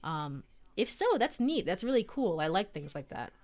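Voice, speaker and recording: Playing through a visual novel on stream, a woman reads the text aloud and giggles through casual asides full of "um" and "like." She speaks at an ordinary pace in a fairly low, slightly mellow voice that swings widely in pitch.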